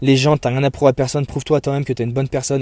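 Dark, mellow male tone, captured dry and close with no echo. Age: 20s. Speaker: childhood friend of host. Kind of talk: casual chat. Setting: outdoors in mountains.

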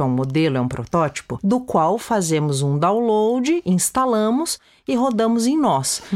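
On a very clean recording with a silent background, a woman at medium pitch talks at a moderate pace with very wide pitch swings. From southern Brazil, Curitiba. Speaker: podcast co-host, actor discussing theater. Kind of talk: casual educational chat.

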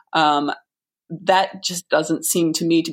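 A woman with an American accent on a very clean recording, silent background. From Australia. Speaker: law professor. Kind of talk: podcast interview on legal scholarship.

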